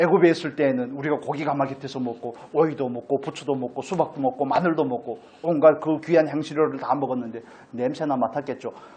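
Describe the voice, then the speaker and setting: Fairly even in intonation and fairly high in pitch, a man rattles along at a very fast pace. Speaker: pastor. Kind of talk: sermon. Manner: sharp intonation that can sound angry.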